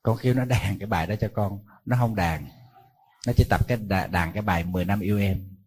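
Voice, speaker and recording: A husky-voiced man, a Buddhist monk, delivers a sermon. He tells it like a conversation, relating stories and asking his listeners rhetorical questions. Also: fairly low pitch, fast talker, a little mellow. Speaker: Buddhist monk giving a dharma talk.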